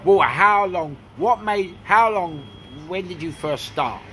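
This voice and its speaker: A man interviewing a cafe owner on a handheld phone, excitable, laughing often and tripping over his questions. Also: high voice, measured pace, a crowd in the background. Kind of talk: casual street interview. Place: small cafe, indoors.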